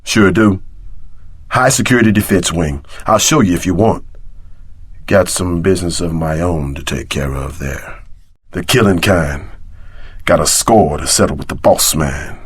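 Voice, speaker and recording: An actor voicing a tough, brash ex-security chief with streetwise swagger and a gruff voice in a video game. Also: male voice, sits low, measured pace, no echo, clean studio sound. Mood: low, confiding.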